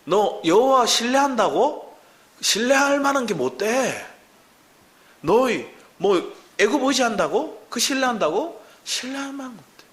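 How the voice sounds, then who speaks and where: A pastor voicing mocking enemy soldiers who taunt a besieged people in a scornful, jeering tone. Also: male voice, high-pitched, animated, brisk, few pauses, fairly bright tone.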